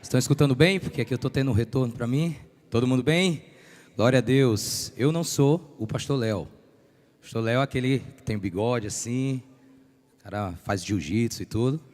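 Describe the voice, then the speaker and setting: A hoarse male preacher whose deep, radio-announcer tone carries a friendly, joking warmth as he calls the congregation to answer amen. His voice comes through the church sound system and trails off into a long reverb across the sanctuary. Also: brisk. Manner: chatty, jokes with the congregation, call-and-response amens. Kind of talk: sermon.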